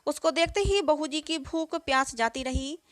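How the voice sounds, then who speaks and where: High-voiced woman telling a story. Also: normal speed, dry recording, clean studio sound. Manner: reads every role in one even storytelling voice. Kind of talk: scripted story narration.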